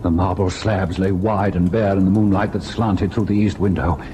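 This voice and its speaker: A man's voice: sits low, fairly even intonation, normal speed, close to an everyday voice. An actor playing a devoted young husband who narrates his ghost encounter in theatrical, literary radio-drama style. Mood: mounting horror. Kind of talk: dramatic old-time radio first-person narration. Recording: noisy old radio drama recording.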